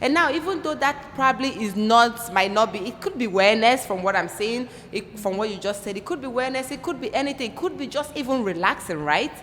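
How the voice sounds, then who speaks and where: Speaking at a fairly quick pace with hardly any pauses, a woman with a Nigerian accent uses lively intonation and a high pitch over noticeable background noise. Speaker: podcast host. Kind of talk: podcast interview. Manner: hesitant, many fillers.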